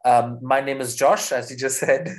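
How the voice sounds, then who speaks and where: A young Indian man talks through his answers in a friendly, explanatory flow, often rushing ahead as he warms up. His voice sits at an ordinary middle pitch. The room rings with noticeable echo. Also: level tone. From South India. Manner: friendly, explains at length, speeds up. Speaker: interview guest. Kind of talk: conversational interview answers.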